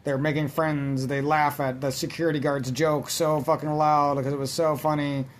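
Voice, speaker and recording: Profane, rambling young man venting. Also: a little high. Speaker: gaming channel host. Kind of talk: ranting let's-play commentary.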